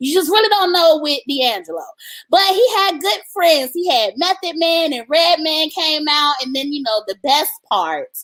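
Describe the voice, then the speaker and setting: Loud and animated, a woman speaks at a moderate pace in a high pitch with lively intonation. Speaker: podcast co-host. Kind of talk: casual chat.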